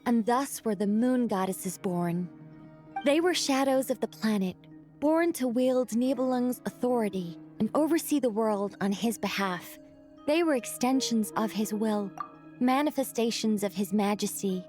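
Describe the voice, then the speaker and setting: A woman voicing a serene, mysterious and quietly playful mage in a video game. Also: a little high, measured pace, soft background music, lightly acted.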